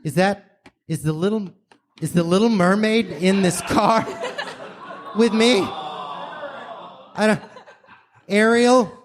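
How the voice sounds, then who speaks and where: A man playing a dazed, eager, bumbling woman hero in an improvised stage radio play, halting and repeating words. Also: sits high. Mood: dazed, amused. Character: dazed, eager woman turned bumbling magical vampire slayer. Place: live comedy theater stage. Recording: noisy live theater stage recording.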